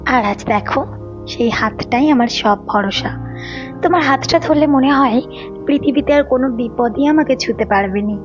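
A woman's voice: high-pitched, moderate pace, lightly acted. A woman playing a lovelorn, devoted woman in an audio romance drama, with a tender, wistful, emotional delivery. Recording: dull lo-fi audio with faint music. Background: faint music.

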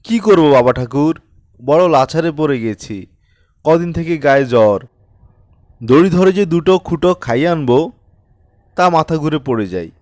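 A man's voice: on the high side, lively intonation, unhurried, pauses often, a little mellow, no echo. A man voicing a poor, humble peasant father in an audiobook story, pleading in a deferential, plaintive way. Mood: helpless, pleading.

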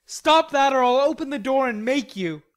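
Woman as an indignant, blustering teenage boy, raised pitch. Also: expressive, normal speed, natural voice. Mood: threatening. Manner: petulant, blustering. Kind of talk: storybook character dialogue.

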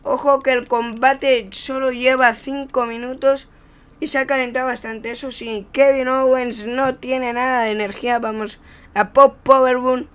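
Casting: Spaniard with a clean, smooth voice for off-the-cuff wrestling commentary on video game play, excitable play-by-play delivery. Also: high voice, moderate pace. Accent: Spain. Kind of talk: improvised gameplay commentary.

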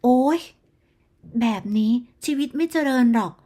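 A woman voicing a boastful, gossiping middle-aged neighborhood auntie in a storybook tale, with a shrill, smug, bragging manner. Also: lively intonation, normal speed, a little mellow. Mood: smug boasting. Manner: smug, shrill, bragging about her daughter. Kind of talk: storybook character voice.

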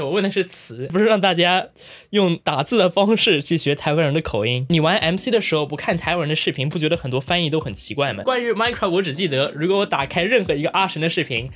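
This video host from mainland China talks fast with lively intonation in a slightly high, somewhat bright voice. His casual talking-head commentary is playful, full of exaggerated shocked reactions.

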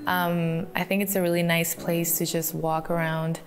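Soft-spoken giggly teenage woman. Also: fairly low pitch, flat delivery, normal speed, background noise. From Canada. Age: teens. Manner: soft, giggly, many ums. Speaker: interviewee. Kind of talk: recorded profile interview. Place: photo studio room. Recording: clip played with faint music.

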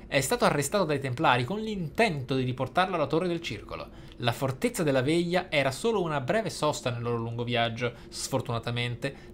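A man with a mid-pitched voice reads journal text from a video game aloud. His delivery is measured and a touch theatrical, like a gaming YouTuber in a roleplay playthrough. Light game ambience noise sits behind him.

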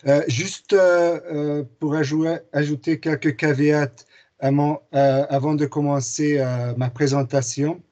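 Man in his forties, non-native speaker, slow and mellow, presenting from a home office over a dull call line. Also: fairly high pitch, little pitch movement. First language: not French. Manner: slow, with many hesitations. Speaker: guest presenter. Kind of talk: webinar presentation. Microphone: video call. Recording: muffled video call audio.

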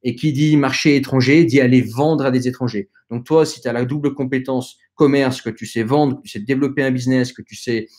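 Man, non-native speaker, podcast guest, hesitant delivery, lots of fillers, earnest advice, medium pitch. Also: fairly even intonation, brisk, few pauses, darkish tone. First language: not French. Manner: hesitant, with frequent fillers and restarts; earnest, direct advice to young listeners. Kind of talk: conversational advice in an interview.

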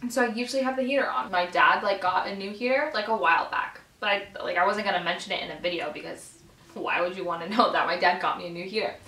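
A woman in her twenties chatting casually to camera over a meal, informal and animated, chewing as she talks. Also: mid-range voice, fast talker. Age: 20s. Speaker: vlogger. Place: small bedroom, indoors. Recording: echoey room sound.

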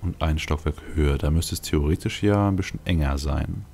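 A man's voice: extremely low pitch, a little fast, vocal fry, darkish tone, a little hiss or hum. A man giving casual gameplay commentary, musing aloud to himself as he plays. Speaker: let's play host.

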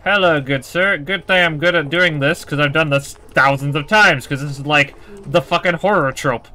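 A man's voice: on the high side, moderate pace, bright, forceful tone. A man giving casual, uneasy commentary as he streams a horror game, swearing and muttering taunts at the monster.

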